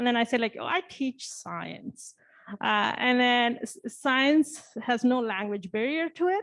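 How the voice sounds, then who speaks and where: Speaking fairly slowly with a non-native accent, a woman keeps a high pitch and ordinary pitch variation. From outside the US. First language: not English. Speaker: university science instructor. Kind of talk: panel discussion. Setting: conference panel with audience. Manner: halting.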